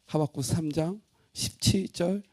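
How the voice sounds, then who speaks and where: Swinging from loud to hushed, a male pastor expressively delivers a sermon and asks his congregation questions. He has a fairly high pitch and speaks at a measured pace.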